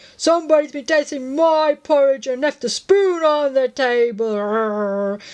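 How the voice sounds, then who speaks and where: A female-sounding voice puts on a high-pitched, growling character voice. The pace is fairly slow. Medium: read story.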